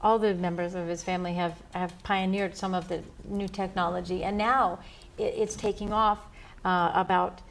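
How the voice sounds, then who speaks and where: A woman's voice: on the low side, little pitch movement, moderate pace. A woman with an American accent, a musician and teacher, talking casually as an interview guest. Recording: clear background ambient noise.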